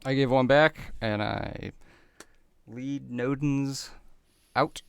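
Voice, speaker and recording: A man's voice: medium pitch, slow pace, vocal fry, clean tone, no room sound. A man playing a tabletop roleplaying game in casual, loose, slangy talk, with music behind him. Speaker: player on an actual-play podcast. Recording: background music under the voice.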